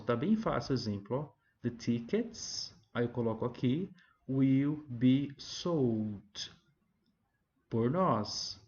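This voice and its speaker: A man's voice: mid-range voice, a little mellow. Guy teaching english grammar, keeps saying "tá?", slightly dull lo-fi sound. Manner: explains step by step, asks himself questions and answers them; keeps adding "tá?" and "ó". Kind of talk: recorded classroom review lesson.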